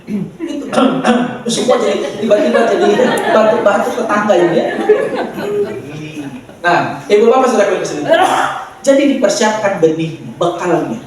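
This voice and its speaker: A man's voice: high voice, expressive, moderate pace, crowd noise. A man with a Medan accent preaching a sermon to a church, joking with the congregation. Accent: Medan Indonesian. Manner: joking, playful preaching with audience asides. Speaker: pastor. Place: large church hall. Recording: very echoey hall, mic far off.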